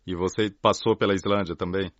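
Male radio host, low-pitched, measured and calm, dry and slightly muffled studio sound. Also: no room sound. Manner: calm, measured, short prompts. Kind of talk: radio interview and closing announcement.

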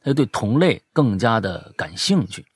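A man hosting a casual chat show, telling stories in an animated, emphatic way. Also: fairly low pitch, normal speed, husky, no echo.

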